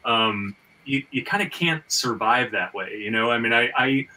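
Bright-voiced man, stammering, slightly distant mic. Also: medium pitch, moderate pace. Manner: stammering, repeats words as he reasons aloud. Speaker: podcast host; screenwriter and fiction writer. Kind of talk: casual panel talk. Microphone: video call.

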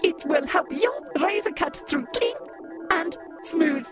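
An actress voicing a haughty female robot who sells shaving cream in a sing-song pitch and scorns humans, in an old-time radio comedy ad. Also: animated, takes it slowly, heavily acted. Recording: music bed under voice.

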